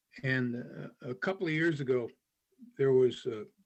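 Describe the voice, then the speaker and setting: Music plays in the background as a man talks in a medium pitch. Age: 80s+. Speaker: veteran. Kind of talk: casual chat.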